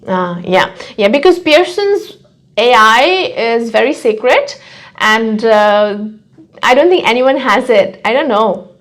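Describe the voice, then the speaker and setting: A woman's voice: a little high, animated, takes it slowly. A woman teacher co-hosting a casual question-and-answer chat, giving direct advice and putting questions. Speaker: exam prep teacher, co-host.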